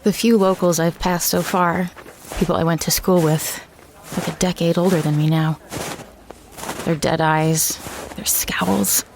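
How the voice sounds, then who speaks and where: A woman's voice: lowish voice, steady tone, unhurried, noisy background. An actress playing a bitter woman writer who returns to a hometown that shuns her, narrating an audio drama in a terse, brooding way. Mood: brooding, wary. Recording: music behind the voice.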